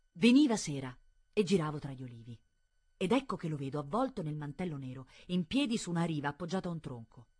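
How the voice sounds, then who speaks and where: A woman reading a literary audiobook in an expressive, dramatic way. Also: low-pitched, husky. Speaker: audiobook reader.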